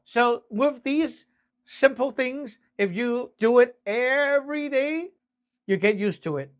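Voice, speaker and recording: A man with a notably high-pitched voice works as an instructor. He explains things step by step in a casual spoken style, often checking in with short tag questions. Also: expressive, takes it slowly, clear, resonant tone. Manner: conversational, frequent check-ins, spells things out step by step. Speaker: instructor teaching radio communication basics. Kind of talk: casual spoken lesson with acted-out example exchanges.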